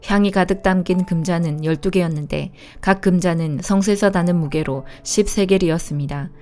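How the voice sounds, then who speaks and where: A woman reads scripture aloud in a measured, unhurried way. Her voice sits a little low and sounds mellow and warm. Faint instrumental music plays behind her. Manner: steady, calm, measured reading. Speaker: Bible reader. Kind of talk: scripted Bible reading.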